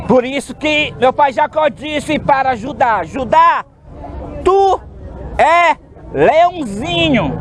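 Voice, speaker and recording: A Brazilian man with a Brazilian Portuguese accent preaches a sermon outdoors on a city street, slow and emphatic, with sudden shouted stresses. His voice is very high-pitched, and the rough recording carries a little hiss or hum.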